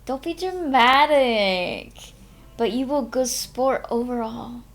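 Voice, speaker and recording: A woman voicing an eccentric, teasing grown man from an audiobook, self-important, speaking clipped broken English in halting, emphatic phrases. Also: fairly high pitch. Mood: dismissive.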